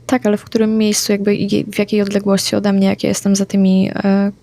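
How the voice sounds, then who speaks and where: A woman playing a tabletop vampire game, declaring her character's actions in a quick, plain manner. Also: medium pitch, completely flat delivery, vocal fry, dark tone. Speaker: player.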